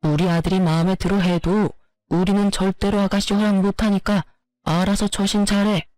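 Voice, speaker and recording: A woman's voice: mid-range voice, little pitch movement, normal speed, darkish tone, dry recording, lightly acted. A woman doing a furious scolding father-in-law. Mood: cold. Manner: scolding, blunt. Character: furious older father-in-law, stern patriarch.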